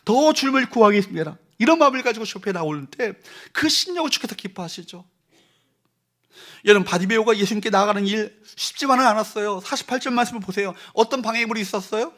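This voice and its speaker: A man's voice: sits high, expressive, fast talker, a bit bright. A male pastor preaching a Sunday sermon in a church, emphatic and full of rhetorical questions to the congregation. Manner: leads congregation in reading verses aloud. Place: church sanctuary.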